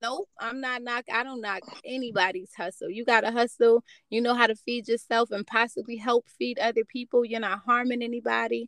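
At a fairly quick pace, a woman with an American accent and a fairly high pitch talks in an ordinary speaking voice, recorded with a dry, close sound and no echo. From New Jersey. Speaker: podcast host. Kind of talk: casual chat.

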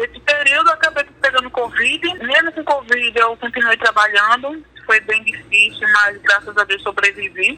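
With hardly any pauses, a high-pitched woman speaks over noticeable background noise, in a dry, close sound with no echo. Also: ordinary pitch variation, moderate pace. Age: 30s. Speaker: domestic worker. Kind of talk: testimony.

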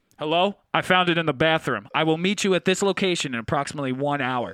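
A man talks very fast in a put-on, robotic character voice. His pitch sits fairly high. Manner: robotic, monotone.

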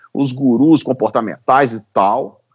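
A man talks in a plain, everyday voice at a medium pitch with ordinary pitch variation. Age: 40s. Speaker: musician podcast co-host. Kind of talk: casual chat.

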